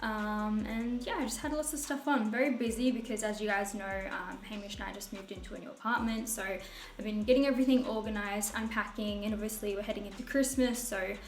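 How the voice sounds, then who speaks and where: A woman in her twenties with a husky voice, chatting casually and rambling cheerfully as a beauty vlogger in a small white room at home. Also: mid-range voice, steady tone, fairly quick, reverberant. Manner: bubbly, rambling, self-mocking with laughs. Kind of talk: casual chatty makeup tutorial.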